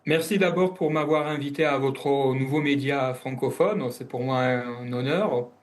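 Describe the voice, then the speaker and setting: Man from italy, interview guest, hesitant, lots of fillers, mid pitch. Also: measured pace. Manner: hesitant, many fillers and restarts. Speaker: guest analyst. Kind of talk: interview answers.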